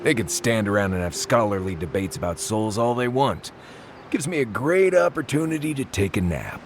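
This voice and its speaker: An actor playing a suspicious, blunt wilderness guide in a video game, with dry, sardonic grumbling. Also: male voice, lowish voice, lively intonation, moderate pace, a little hiss or hum, lightly acted. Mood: disdainful. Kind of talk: naturalistic video game dialogue.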